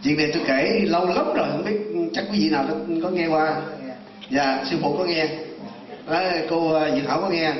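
A man's voice: a little high, brisk, over a noisy crowd. A man in his sixties from Vietnam, a Buddhist monk teacher, telling a story animatedly in a sermon and turning often to his listeners. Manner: animated, addresses audience directly. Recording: roomy, distant, dull hall recording.

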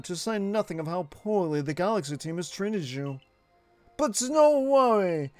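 A man voicing a friendly young male merchant with flattering salesman patter. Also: high-pitched, no room sound. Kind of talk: dubbing game dialogue aloud.

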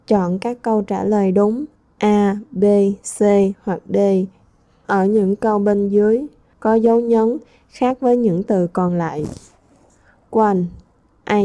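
A woman's voice: mid-range voice, dark tone. A woman English teacher going through a textbook review, reading each word aloud and then translating it. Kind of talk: textbook lesson walkthrough.

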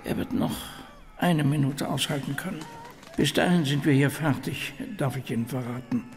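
An actor playing a polite, coolly menacing gang boss in a radio drama, courteous and sardonic. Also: male voice, medium pitch, moderate pace, close to an everyday voice. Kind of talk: horror audio drama acting. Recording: long reverb, loud noise.

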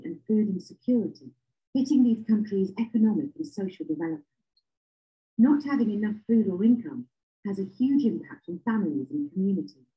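A woman reads a scripted voice-over for an explainer animation. She explains each point clearly. The sound is somewhat muffled and lo-fi. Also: medium pitch. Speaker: narrator. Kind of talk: scripted narration.

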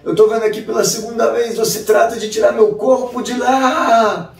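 A man voicing the angry ghost of a young man who shouts accusations in a dream. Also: very high voice, steady tone, moderate pace, creaky, pitched above the performer's own voice. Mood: furious, accusing. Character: dead young man's ghost, demanding, furious. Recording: roomy, distant mic, faint music.

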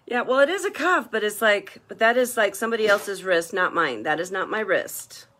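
A woman hosts a live-stream jewelry sale, talking casually and gushing over the colors and styles of every piece. Her voice sits at an ordinary middle pitch. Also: lively intonation, moderate pace, sharp tone, a little hiss or hum. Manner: chatty and gushing, praising each piece. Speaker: jewelry seller hosting a live online party. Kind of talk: live-stream sales chat.

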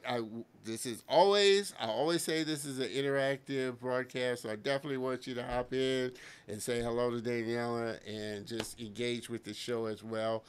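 Male host in his fifties, upbeat, smooth resonant voice, close studio mic. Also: mid-range voice. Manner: enthusiastic, repeats words warmly. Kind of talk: live-streamed interview. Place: home studio with colorful lighting. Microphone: studio mic on boom arm.

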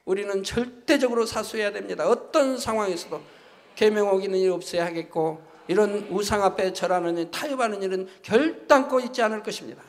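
A man's voice: sits high, fairly quick, long reverb tail. A man preaching a sermon as pastor, emphatic, driving points home with repeated tag phrases. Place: church sanctuary.

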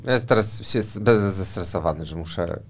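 A man's voice: deep voice, a little fast. A young man co-hosting a casual comedy podcast, laughing often and pushing the talk forward. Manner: lively, laughs often, steers the conversation. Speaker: podcast co-host.

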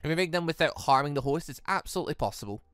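Man doing a sly, deliberate villainess. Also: on the high side, expressive, a bit bright, smooth, dry recording. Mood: smug, calculating. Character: sly, calculating villainess, smooth-talking young woman.

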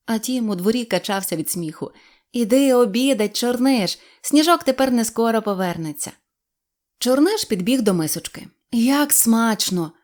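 A woman storyteller narrating a children's audio fairy tale in an expressive, animated reading. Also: a little high. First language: Ukrainian.

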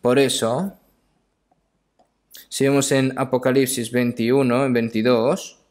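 A man delivering a sermon with scripture readings, speaking haltingly, repeating phrases and often adding short questioning tags. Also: medium pitch, little pitch movement, a little mellow.

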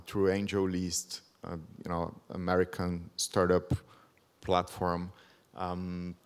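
A Brazilian man in his thirties, whose first language is Portuguese, presents at a podium microphone in a large conference hall. His English carries a Brazilian accent and is measured and careful, with frequent ums. His voice sits low, smooth and fairly bright.

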